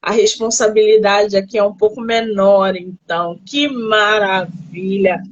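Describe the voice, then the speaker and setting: This literary livestream host, a woman from Rio de Janeiro with a Carioca Brazilian Portuguese accent, talks casually with an author via phone. She has a mid-range voice, fairly even intonation and a measured pace, though chatty and exclamatory; the highs are cut off in the audio.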